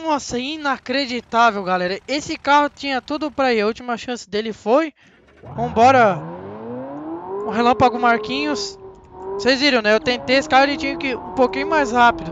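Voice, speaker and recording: Over noticeable background noise, a man with a Brazilian accent speaks at a moderate pace in an extremely high pitch with lively intonation. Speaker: gaming youtuber. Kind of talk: gameplay commentary. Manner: animated.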